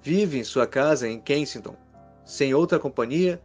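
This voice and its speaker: Horror story narrator: man, medium pitch, scripted reading over music. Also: unhurried.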